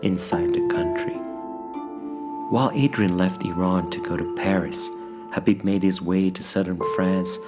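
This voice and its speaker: A man narrates a documentary in a measured, explanatory way. His voice sits somewhat low. Loud music plays beneath him throughout. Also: steady tone. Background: loud background music.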